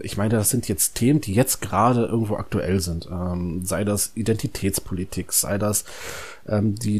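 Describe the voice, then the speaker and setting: Husky man giving a book critique. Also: mid-range voice, warm tone. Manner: critical, halting, rephrases often. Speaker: podcast discussion panelist.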